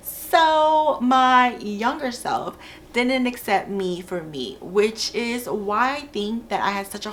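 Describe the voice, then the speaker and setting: A woman speaks at a fairly slow pace with a Southeast Asian accent. Her intonation is lively, and there is noticeable background noise. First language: Hmong. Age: 30s. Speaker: YouTuber and actress. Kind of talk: casual vlog talk to camera.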